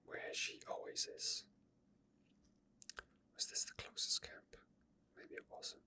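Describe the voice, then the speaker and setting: Whispering man, ASMR game commentary. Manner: soft, rambling, unhurried thinking aloud. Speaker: ASMR gaming video host.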